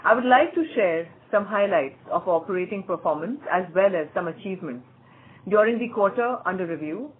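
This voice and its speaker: A woman with an Indian accent reading a scripted earnings call presentation in a formal, measured way, as a company executive. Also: medium pitch, breathy edge. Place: conference call. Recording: muffled phone-like conference call line.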